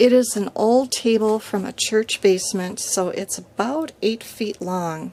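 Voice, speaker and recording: Fairly high for a woman, her pitch varies in an ordinary way, and she has an ordinary speaking voice. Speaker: craft video maker. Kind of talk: casual room tour. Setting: home craft room, handheld camera.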